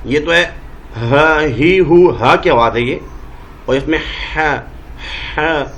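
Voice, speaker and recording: A man from Pakistan with a Pakistani Urdu accent, teaching Quran reading and sounding out letters and vowels slowly one by one. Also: mid-range voice, fairly bright tone, low-quality recording. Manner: slow, drawn-out letter-by-letter sounding. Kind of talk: spelling-out recitation lesson.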